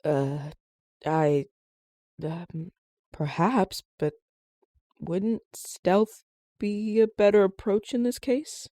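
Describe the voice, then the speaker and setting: Woman acting a soft, timid young attendant. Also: medium pitch, fairly even intonation, very slow, pauses often, no echo, clean studio sound. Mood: nervous, doubtful. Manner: hesitant, deferential. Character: timid, polite, dutiful young scholarly attendant. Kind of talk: fantasy audio drama acting.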